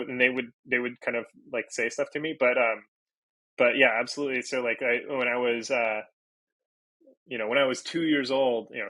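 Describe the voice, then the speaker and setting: Speaking as a podcast guest in loose interview talk, this native Portuguese speaker from Brazil thinks out loud, stumbling through many fillers and restarts. His mid-range voice sounds pushed and bright, captured in a dry, low-quality recording.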